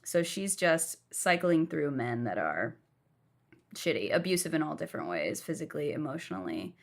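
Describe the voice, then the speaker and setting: A woman's voice: deep voice, sing-song, moderate pace, vocal fry. A young woman from the southern United States, telling her life story frankly while lying down as a podcast guest.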